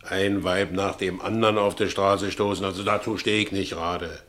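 Gullible Berlin ex-convict narrator for radio play; deepish voice, earthy Berlin accent, self-justifying. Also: male voice, little pitch movement, moderate pace, fairly bright tone. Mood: righteous. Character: Franz Bieberkopf, gullible working-class Berlin ex-convict narrating his life.

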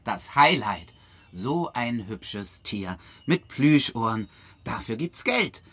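An actor playing an aggrieved, opinionated environmental activist in a German audio drama, with a sarcastic manner. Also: male voice, mid-range voice, very animated, slow pace, a bit bright, slightly rough, exaggerated voice. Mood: sardonic. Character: sardonic, aggrieved male environmental activist, bitter hamster champion.

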